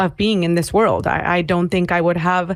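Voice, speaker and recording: A speaker with a Spanish accent is heard on a very clean recording with a silent background. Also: woman. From Mexico, Guadalajara. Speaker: recovery advocate, former podcast host. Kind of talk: podcast interview.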